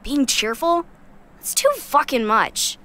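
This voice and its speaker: A woman voicing a prickly young scavenger in an audio drama, blunt and sarcastic. Her voice sits a little high and sounds bright and sharp. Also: animated, slow pace, heavily acted. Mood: irritated. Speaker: parts sourcer.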